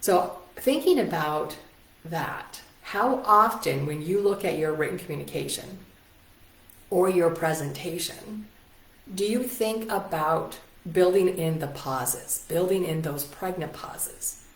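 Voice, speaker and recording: A woman in her forties with a notably low voice coaches on presentation skills in a relaxed, chatty way. She keeps asking her listeners rhetorical questions and checks in with a quick "right?" The sound is roomy and echoey, as if recorded in a bare room at home. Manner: conversational, full of rhetorical questions and tag "right?". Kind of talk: casual online teaching talk.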